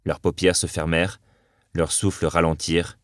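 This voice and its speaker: Man, audiobook narrator, very deep voice, dry close sound, even measured reading. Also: no echo. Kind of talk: scripted narration.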